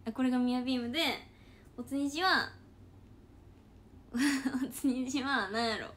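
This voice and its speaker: A woman's voice: high-pitched, normal speed, a bit bright, slight background noise. Giggly Kansai woman, sleepy late-night stream. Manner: chatty, giggly, loose and rambling. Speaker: idol trainee livestreaming. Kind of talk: casual late-night livestream chat reading comments.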